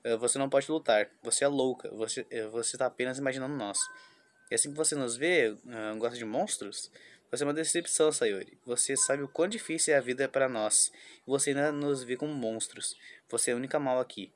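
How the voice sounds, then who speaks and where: Cruel taunting girls in a game dream, voiced by a man: scornful, accusing, plain pitch. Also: brisk, slight background noise, lightly acted.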